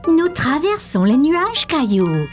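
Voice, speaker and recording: A woman voicing a calm, caring young mother who patiently reassures her son in a children's cartoon. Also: sits high, takes it slowly, over music, heavily acted. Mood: reassuring.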